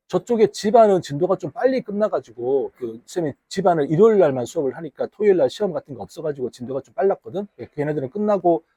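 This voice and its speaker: Teaching English in a relaxed classroom lecture, this Gyeongsang-region Korean man chats, teases and banters with his students. His voice is husky, mellow and a little high, swinging widely in pitch. A wearable mic captures it dry and close, with no echo.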